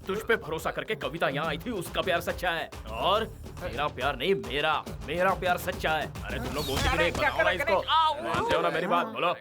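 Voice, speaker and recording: An actor dubbing a jealous, lovesick young man who rants loudly. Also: on the high side, sing-song, a little fast. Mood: ranting. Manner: loud, ranting, emotional. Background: film score music.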